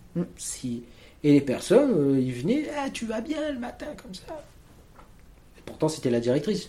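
A man with a high pitch and a dark, mellow tone swings very widely in pitch and in loudness, leaving long, frequent pauses. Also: moderate pace. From southern France. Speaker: entrepreneur, company director. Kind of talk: interview.

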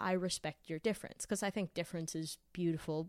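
Recorded very cleanly against a silent background with a dry, close sound and no echo, a woman with a Cape Breton accent speaks at a fairly low pitch with ordinary pitch variation. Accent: Cape Breton accent, toned down. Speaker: portrait artist and burlesque dancer. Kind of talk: casual interview chat.

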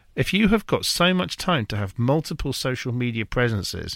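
A man with a British accent speaks with lively intonation in a very clean recording with a silent background.

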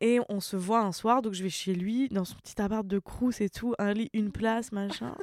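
Speaking with hardly any pauses, a woman has an ordinary speaking voice at medium pitch, a moderate pace and fairly even intonation. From Paris. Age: 30s. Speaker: TikTok creator. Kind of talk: casual chat.

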